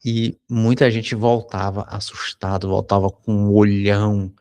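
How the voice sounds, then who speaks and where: A Brazilian man, a psychology teacher, telling a personal anecdote in a conversational lesson, often tagging sentences with a quick question. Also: on the low side, flat delivery, darkish tone. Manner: conversational, frequent tag questions. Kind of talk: anecdote told in a recorded lesson.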